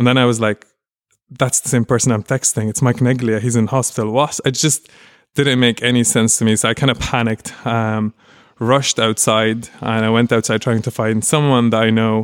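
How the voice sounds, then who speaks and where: In a very clean recording with a silent background and a dry, close sound with no echo, a man of medium pitch with an American accent speaks at a moderate pace in a flat monotone. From Lebanese American. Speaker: anatomy lecturer. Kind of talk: personal testimony interview.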